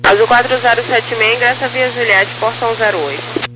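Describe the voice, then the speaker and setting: Woman doing air traffic clearances, crackly military-style radio, tons of static, clipped wording. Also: a little high, fairly even intonation, a little fast. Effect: radio transmission. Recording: very noisy crackly aviation radio.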